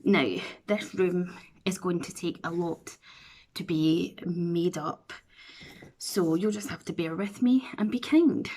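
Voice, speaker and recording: A woman's voice: on the low side, a little mellow, a little hiss or hum. A woman in her thirties with a Scottish accent, chatting casually and rambling to camera from her bedroom. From Scotland. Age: 30s. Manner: chatty, rambling, self-deprecating. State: runny nose. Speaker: beauty vlogger. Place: bedroom at home, indoors.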